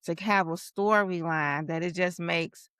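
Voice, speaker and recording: A woman's voice: fairly low pitch, steady tone, a little slow, fairly bright tone, clear, resonant tone, dry recording, clean studio sound. A woman in her late forties co-hosting a casual chat show, talking bluntly and animatedly, acting out the people she quotes. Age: 40s. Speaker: podcast co-host.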